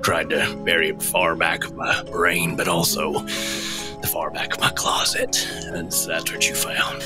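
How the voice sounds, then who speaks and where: Casting: man as low-voiced, gentle retired adventurer, halting and sincere, fantasy game, music underneath. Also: monotone. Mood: confessional. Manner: halting, earnest. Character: gentle, earnest former adventurer, male, rescued friend.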